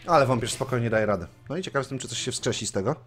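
A man's voice: mid-range voice, animated, racing, faint music behind. A man hosting a let's play, commenting casually on his gameplay and swearing offhandedly. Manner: chatty, swears casually, reads game story aloud.

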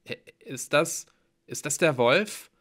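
A man's voice: fairly high pitch, bright, forceful tone, voice pushed up. A man reading aloud and voicing a nervous teenage boy, talking shakily and in a hurry. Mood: scared. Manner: shaky, hurried.

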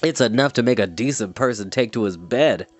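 A man voicing a melancholy, fretful fairy-folk creature with drawn-out, sighing, hesitant delivery in a storybook reading. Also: medium pitch, animated, soft background music, close to an everyday voice. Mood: anxious, mournful.

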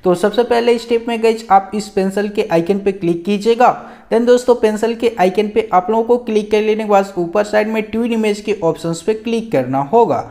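A man's voice: sits high, fairly quick, warm tone. A man casually narrating a step-by-step photo editing app tutorial as the channel's host, talking chattily to his viewers with lots of filler words. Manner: chatty, keeps calling out to friends and guys, frequent filler particles.

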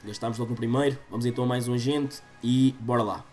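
A man in his twenties with a European Portuguese accent and a slightly stuffy nose, doing excitable gaming commentary for his viewers. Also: medium pitch, fast. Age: 20s. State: slightly congested from a cold. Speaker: gaming YouTuber. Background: game music.

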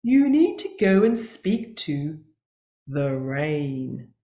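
A woman voicing a slow, apologetic female water buffalo in a bedtime story. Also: low voice, sing-song, dark tone, pitched below the performer's own voice, exaggerated voice. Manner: slow and drawn-out. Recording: roomy echo, away from the mic.

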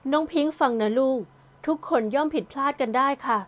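A woman voicing a gentle, caring middle-aged mother in an audio novel, speaking softly and soothingly. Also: sits high, a little fast, lightly acted.

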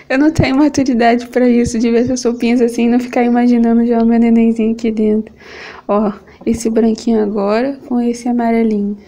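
A young Brazilian woman with a high, mellow voice and a Brazilian Portuguese accent films herself at home at a table for a casual unboxing vlog, using a camera set up on the table. She's gushing and affectionate, constantly calling out to her viewers.

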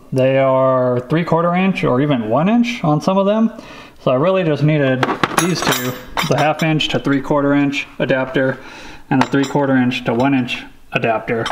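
A man casually showing off tools he bought, talking in a relaxed, rambling way with lots of fillers. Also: medium pitch, normal speed. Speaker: vlogger showing a tool haul. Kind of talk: casual show-and-tell chat.

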